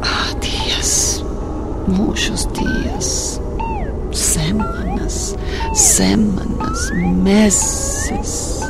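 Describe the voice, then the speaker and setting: An actress playing a displaced woman in a radio drama, recounting hardship in broken, with halting fragments and repeated words. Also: very high voice, wildly swooping pitch, loud music behind the voice, exaggerated voice. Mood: weary, sorrowful. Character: sad, displaced woman haltingly recounting losing her home.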